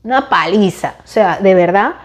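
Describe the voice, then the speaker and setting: A woman's voice: medium pitch, normal speed. Chatty Venezuelan woman in her forties. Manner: chatty and expressive, with frequent restarts and fillers. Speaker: vlogger recommending series and films. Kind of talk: casual opinion monologue.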